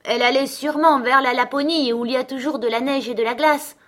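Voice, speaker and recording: A pair of cooing forest wood pigeons, put on by a woman narrator in a storybook. They speak in a sing-song way, pitched high above her usual voice. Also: steady tone, fast talker, a bit bright.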